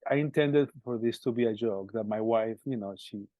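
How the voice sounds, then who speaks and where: A middle-aged man from Colombia, speaking English with a Colombian Spanish accent as a musician being interviewed. He talks haltingly, repeating words and restarting often. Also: fairly low pitch, warm tone, no echo. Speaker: musician guest. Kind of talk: interview answers.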